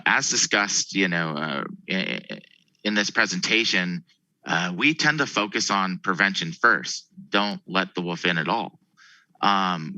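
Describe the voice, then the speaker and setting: Deep-voiced man with a very bright, forceful edge. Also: dry recording, poor audio. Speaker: company executive on an investor call. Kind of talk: business presentation and answering investor questions.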